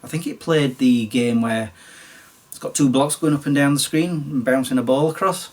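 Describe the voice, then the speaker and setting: A man in his late forties with a Sheffield accent, chatting casually and self-deprecatingly about his past, his voice slightly croaky. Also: medium pitch, moderate pace, distant mic. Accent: Sheffield English. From Sheffield, England. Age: late 40s. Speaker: YouTuber. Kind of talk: casual storytelling monologue.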